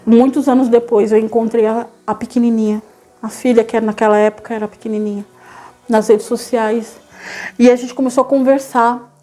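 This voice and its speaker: A woman with a São Paulo Brazilian accent gives a church testimony, telling her story to the congregation in an earnest, halting way, with faint music behind her. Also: fairly high pitch, fairly even intonation, warm tone. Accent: Brazilian Portuguese, São Paulo. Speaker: church member giving testimony.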